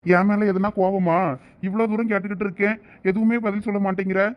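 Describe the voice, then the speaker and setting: A man's voice: sits high, little pitch movement, fast talker, highs cut off, natural voice. A man acting as a caring young husband in a village comedy-drama, coaxing and teasing his wife affectionately. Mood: worried. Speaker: actor in a village family skit.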